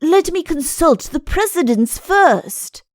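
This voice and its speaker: A woman's voice: very high-pitched, animated, slow, no room sound, clean studio sound, pitched above the performer's own voice, full character voice. A woman voicing an obsequious, cautious, long-winded male chancellor in a comic audiobook, pleading and deferential. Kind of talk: audiobook comic character acting.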